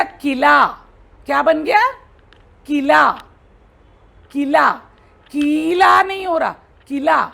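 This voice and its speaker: A woman's voice: high-pitched, vocal fry. A woman teaching a Hindi lesson to children, patiently drawing out and repeating each sound as she demonstrates.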